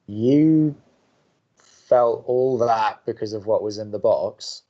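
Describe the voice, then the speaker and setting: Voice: medium pitch, slow, lo-fi sound, natural voice. An actor playing a curious, sympathetic young college radio co-host in an audio drama, with a questioning, coaxing manner. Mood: curious, tentative.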